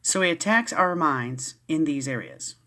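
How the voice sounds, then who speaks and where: A woman's voice: low-pitched, expressive, measured pace, fairly bright tone. Woman vlogger, casual read-aloud with riled, rambling asides. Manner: rambling, easily riled, many restarts. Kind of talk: casual reading and commentary.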